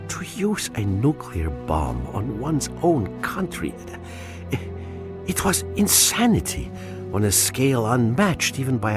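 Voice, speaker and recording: An actor narrating as a Soviet soldier, slow and bitter in his reflections. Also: on the low side. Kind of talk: scripted narration. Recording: game cutscene with loud music behind.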